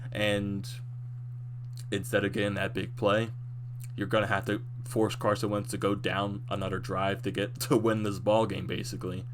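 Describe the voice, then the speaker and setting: A young man with a lowish voice rushes through a fan's recap of a football game, getting animated and restarting his sentences as he goes. His voice sounds a little worn, as if it is starting to go. A steady hum runs behind him through the whole recording. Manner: excited, animated fan recap with frequent restarts. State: slightly losing his voice. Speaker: sports fan commentator.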